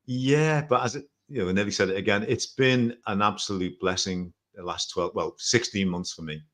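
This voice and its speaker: A man's voice: on the low side, moderate pace, a bit bright. A man in his sixties from Liverpool with a Liverpool accent, telling his story as an interview guest in a chatty, rambling way with small self-corrections and jokes. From Liverpool, England. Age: 60s.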